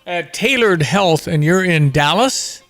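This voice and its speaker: A man with a notably high-pitched voice hosts a radio morning show. He talks casually and conversationally, with a folksy manner as he chats with a guest. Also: lively intonation, slow pace, fairly bright tone, soft background music. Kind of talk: live radio interview, casual chat.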